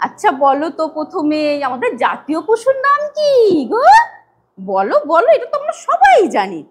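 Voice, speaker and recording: এক মহিলা শিক্ষক ছোট বাচ্চাদের ডেমো ক্লাস নিচ্ছেন, সুর করে উৎসাহ দিয়ে প্রশ্ন করছেন আর ইংরেজি শব্দের বানান অক্ষর ধরে ধরে বলছেন।. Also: female voice, extremely high pitch, huge pitch swings, normal speed. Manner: singsong, coaxing, spells words letter by letter. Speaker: teacher giving a demo class. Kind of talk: demo lesson to young children.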